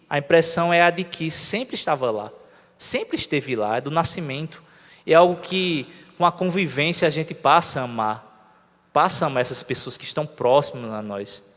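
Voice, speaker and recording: A man's voice: on the high side, a bit bright. Brazilian man preaching in a reverberant church. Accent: Brazilian Portuguese. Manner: conversational, asks the congregation questions. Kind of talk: sermon. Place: church hall. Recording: long reverb of a church hall.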